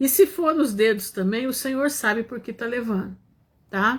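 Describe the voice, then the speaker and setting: At a fairly slow pace, a woman with a fairly high pitch speaks with lively intonation on a very clean recording with a silent background. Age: 60s. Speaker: evangelical live-stream preacher. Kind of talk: religious live stream talk. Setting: live stream reading chat. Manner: emphatic, repetitive.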